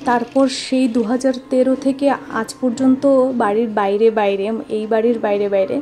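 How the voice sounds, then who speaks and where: A woman's voice: fairly high pitch, warm tone. A young woman narrates a personal vlog casually, chatting straight to her viewers with little tag questions. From rural Tripura, India. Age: young adult. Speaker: vlogger.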